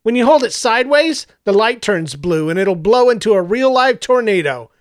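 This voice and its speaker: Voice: mid-range voice, expressive, normal speed, dry recording, clean studio sound, pitched above the performer's own voice, natural voice. A narrator voicing a smug, boastful male superhero who is secretly a villain, talking in a mocking, sly way. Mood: gloating.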